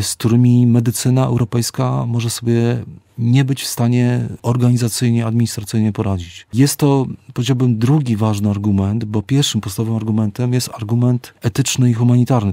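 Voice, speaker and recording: A middle-aged man, an author and psychologist, giving reflective, measured interview answers and slowing down to stress key words. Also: mid-range voice, mellow, no room sound.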